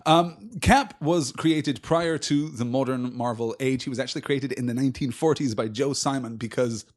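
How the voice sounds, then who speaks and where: A man's voice: mid-range voice, moderate pace. A man co-hosting a podcast, discussing film and comics in a casual, analytical and emphatic way. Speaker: podcast co-host.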